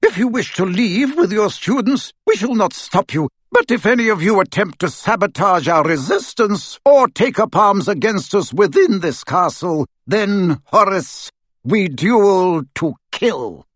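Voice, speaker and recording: Brief: fierce older headmistress type, clipped and commanding, read by a man, higher than his own voice. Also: animated, measured pace, fairly bright tone, dry recording, heavily acted. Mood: stern. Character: stern commanding older Scottish witch professor.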